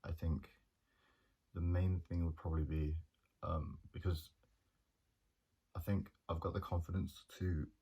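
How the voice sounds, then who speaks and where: A young man, a journalism student talking through his plans in a hesitant, monotone way with many pauses and restarts. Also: sits low, husky. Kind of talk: casual reflective monologue.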